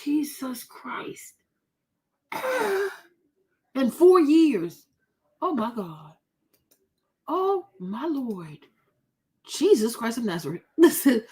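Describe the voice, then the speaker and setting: A woman doing casual reaction commentary on a video, exclaiming loudly and laughing often. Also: high-pitched, sing-song, drawn-out words, long pauses.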